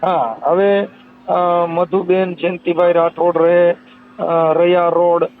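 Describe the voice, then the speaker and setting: Man, high-pitched voice, Kathiawadi Gujarati accent, informal questioning, repeats details back, thin narrowband phone recording. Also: level tone, slow. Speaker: host taking a caller's complaint. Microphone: telephone line.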